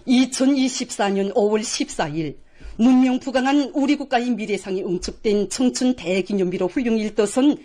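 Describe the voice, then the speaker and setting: A woman's voice: on the high side, moderate pace, dark tone. A woman with a North Korean accent reads formal scripted television news in a solemn, reverent, declamatory manner.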